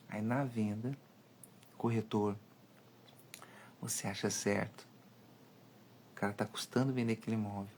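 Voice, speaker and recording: Um homem com sotaque brasileiro, falando em uma live de conselhos, em tom enfático e de sermão. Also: male voice, lowish voice, gravelly, darkish tone, a little hiss or hum. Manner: emphatic, preachy, acts out dialogues. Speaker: live-stream host. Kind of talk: live monologue, advice talk.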